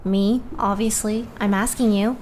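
A woman's voice: medium pitch, steady tone, unhurried, a little mellow, slight background noise, lightly acted. A woman playing a bored, curious noblewoman, blunt and nonchalant, in casual improvised roleplay.

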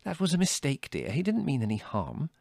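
A man voicing a middle-aged mother in an audiobook, gentle and fond, fussing and soothing but firm. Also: medium pitch, sing-song, a little fast, creaky, no room sound, clean studio sound, voice pushed up. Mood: placating. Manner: hesitant, soothing, fond protests. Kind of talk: audiobook character dialogue.

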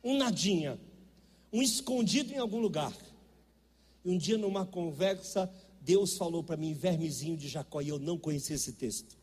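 A man's voice: on the high side, expressive, moderate pace, darkish tone, breathy edge, in a large hall. A middle-aged Brazilian man preaching a sermon, telling stories in an emphatic, conversational way. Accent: Brazilian Portuguese. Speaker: pastor. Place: church.

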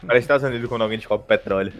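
A man's voice: mid-range voice, racing, a bit bright, soft background music. A man with a Brazilian Portuguese accent co-hosting a podcast, making jokey, mocking interjections. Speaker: podcast co-host. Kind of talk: casual podcast banter.

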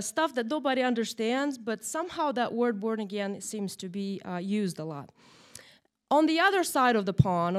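A woman from Moldova, teaching a church Bible lesson to a group in a chatty way, often adding "right?". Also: fairly high pitch. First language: Russian or Romanian. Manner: chatty, animated, tag questions. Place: church room, in front of a group.

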